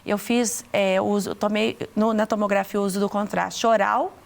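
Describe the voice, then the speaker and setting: A middle-aged woman with a Brazilian Portuguese accent, telling her faith testimony to an interviewer, earnest and halting, often repeating words. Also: mid-range voice, steady tone, creaky. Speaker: interview guest giving testimony.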